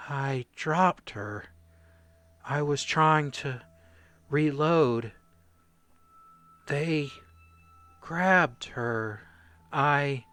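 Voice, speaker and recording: A man playing a traumatised, drugged soldier in a radio play, recalling horrors in halting fragments. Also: medium pitch, fairly bright tone, dry recording. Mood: haunted. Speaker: corporal under interrogation.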